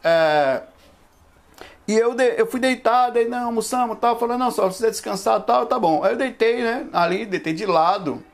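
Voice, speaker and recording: High-voiced man giving a casual spiritual talk. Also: normal speed. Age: 40s. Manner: conversational, rambling, with frequent asides. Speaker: spiritualist lecturer. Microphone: camera microphone.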